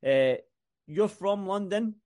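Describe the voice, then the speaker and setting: A man's voice: high voice, animated, slow, warm tone. A man from the UK co-hosting a boxing podcast, talking in a rambling, repetitive, casual way. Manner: rambling and repetitive, stacking up lists and restarts. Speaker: podcast co-host.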